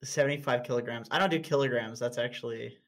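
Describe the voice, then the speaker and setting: A man's voice: medium pitch, quick pace, a bit bright. A young man streaming and chatting casually, blunt and laughing often, with frequent restarts.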